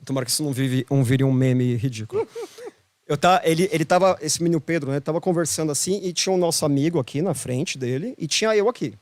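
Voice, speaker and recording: A man's voice: on the high side, fast talker, darkish tone, no echo. Emphatic Brazilian man telling a story. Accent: Brazilian Portuguese. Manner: emphatic, repeats phrases for emphasis. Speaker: podcast guest, holistic therapist. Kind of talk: storytelling in a casual podcast chat.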